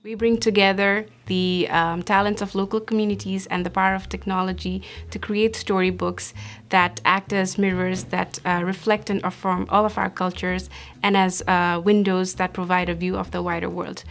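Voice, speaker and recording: A woman delivers a prepared statement on behalf of an organization. Her mid-pitched voice stays very even, with little rise or fall. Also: moderate pace. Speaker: organization representative.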